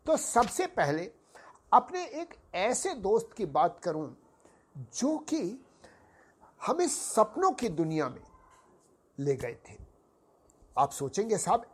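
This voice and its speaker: An older man from Uttar Pradesh with a sore, hoarse throat, hosting a podcast and telling a story in a formal, courteous way, addressing his listeners as sahib. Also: high-pitched, sing-song, slow pace, long pauses. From Uttar Pradesh, India. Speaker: podcast host. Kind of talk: slow reminiscing storytelling.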